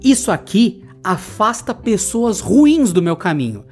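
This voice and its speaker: A man's voice: high voice, sing-song, a little slow, soft background music. A man with a Brazilian Portuguese accent hosting a solo podcast, telling a story in a blunt, profane, indignant rant. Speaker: podcast host. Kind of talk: solo podcast monologue, ranting anecdote.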